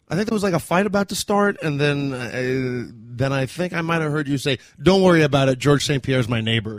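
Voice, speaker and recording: A normal speaking voice at a fairly quick pace, with lively intonation and hardly any pauses. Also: man, fairly high pitch for a man. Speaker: comedy podcast co-host. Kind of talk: casual comedic chat.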